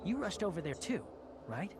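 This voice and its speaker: A man's voice: high-pitched, big pitch swings, normal speed, background noise. An actor playing an earnest teenage boy detective in a video game, questioning in a pressing, insistent way. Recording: very loud game music behind the voice.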